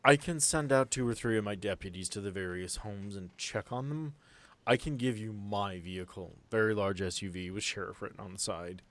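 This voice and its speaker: A man voicing a firm, protective small-town female sheriff who speaks frankly, in a measured, matter-of-fact way. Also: fairly low pitch, lightly acted. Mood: firm, cautious.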